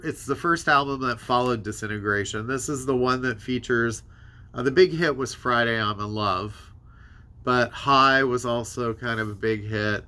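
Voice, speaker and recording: A man's voice: medium pitch, pushed and bright. A man hosting a casual, rambling music release rundown, congested and tired-voiced, speaking in conversational asides. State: tired voice giving out. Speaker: host of a music new-release show.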